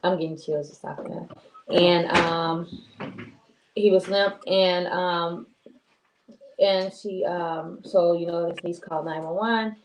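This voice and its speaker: A woman co-hosting a casual live-stream talk show, rambling and heartfelt with many pauses. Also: lowish voice, fairly even intonation. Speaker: co-host. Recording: echoey room with faint noise.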